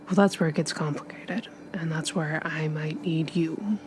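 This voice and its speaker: Tabletop game role: down-on-his-luck male gumshoe, low, hushed, halting, defensive female performer. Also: steady tone, background noise, lightly acted. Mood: confiding. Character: down-on-his-luck male private investigator, evasive, pleading.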